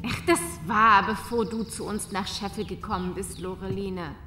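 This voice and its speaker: A woman's voice: medium pitch, steady tone, moderate pace, reverberant, noisy background, lightly acted. A woman playing a flighty, imperious countess in an audio drama, hesitant, haughty and dramatic. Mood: surprised. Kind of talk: German audio drama acting.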